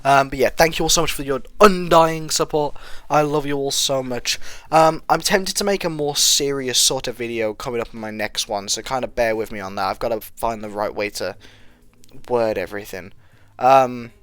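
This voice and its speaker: A man's voice: medium pitch, normal speed, a bit bright, clear, resonant tone, dry recording. Young man with a stuffy cold. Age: young adult. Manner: loose, rambling, earnest. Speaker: gaming channel host. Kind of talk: casual opinion vlog.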